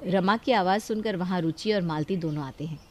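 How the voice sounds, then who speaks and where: A woman narrating a family story in a calm, scripted way. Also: lowish voice, brisk, soft background music.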